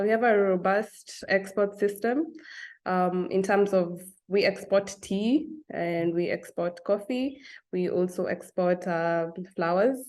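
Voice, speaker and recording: A young woman with a Kenyan accent speaks as an interview guest. She talks in a thoughtful way, pausing with fillers and letting soft laughs slip in. Her voice sits at a middle pitch. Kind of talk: interview conversation.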